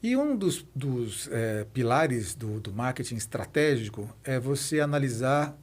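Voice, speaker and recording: In a conversational interview, a Brazilian man in his fifties who presides over a nonprofit institute recounts his own experiences as a podcast guest. He speaks a little slowly and expressively in a mid-range voice, reflecting and explaining as he goes.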